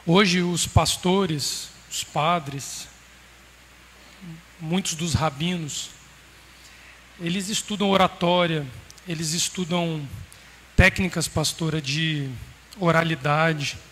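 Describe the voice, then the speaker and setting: High-voiced man preaching in a hall. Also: steady tone, fairly bright tone. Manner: measured, emphatic preaching with pauses. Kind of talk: sermon. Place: congregation hall. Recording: roomy hall reverb, faint background noise.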